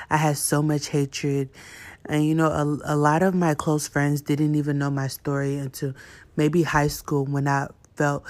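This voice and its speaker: A young woman with a deep, flat-toned voice, a podcast host from Houston, Texas, USA, whose first language is Yoruba, tells her personal story. She's candid and chatty, using many fillers like "you know".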